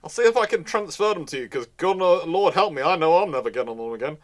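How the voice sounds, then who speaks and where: This man hosts a naval history live stream, rambling casually and drifting into tangents as he answers viewers' questions. His voice sits on the high side and is expressive and fast.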